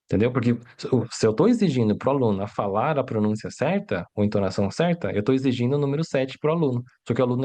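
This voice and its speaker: A man teaching a language during a livestream lesson. He explains step by step, keeps asking rhetorical questions and checks in with his viewers. His voice sits at an ordinary middle pitch. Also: a little mellow. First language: Mandarin. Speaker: Mandarin teacher.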